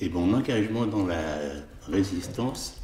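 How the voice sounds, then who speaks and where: Intonation here is lively. The pace is very slow. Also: man. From Spain. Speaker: war veteran. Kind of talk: testimony to students. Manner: casual, colloquial.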